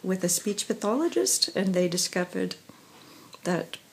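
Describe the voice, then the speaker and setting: A young woman, a professional singer with a weak, breathy voice from vocal cord palsy, talking haltingly into her phone camera with many pauses and fillers. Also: mid-range voice, sing-song, slight background noise, poor audio. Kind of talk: casual personal vlog. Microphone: phone camera at arm's length.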